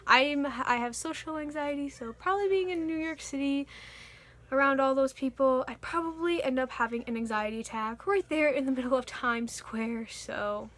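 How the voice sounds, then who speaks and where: Chatty young woman, high voice. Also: normal speed, fairly bright tone. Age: young adult. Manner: chatty and earnest, frequent likes and fillers. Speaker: vlogger. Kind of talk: casual Q and A vlog.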